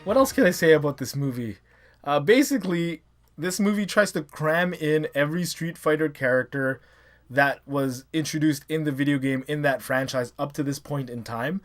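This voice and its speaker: Male vlog host, casual and eager, mid-high voice. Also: normal speed, soft background music. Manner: enthusiastic, rambling, with laughs. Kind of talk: casual movie review vlog.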